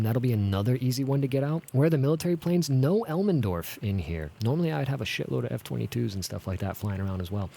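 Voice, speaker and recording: Low-voiced man doing casual gaming commentary. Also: dark tone. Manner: casual, thinking aloud, swearing now and then. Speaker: streamer playing an air traffic control simulator. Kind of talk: running gameplay commentary with air traffic jargon. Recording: clear background noise, keyboard clicking and typing. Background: keyboard typing and clicks.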